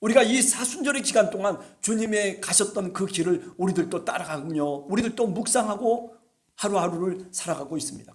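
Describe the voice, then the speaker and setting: Pitched high, a man's voice rings out in a passionate sermon at a church service, where the pastor urges his listeners and now and then shouts.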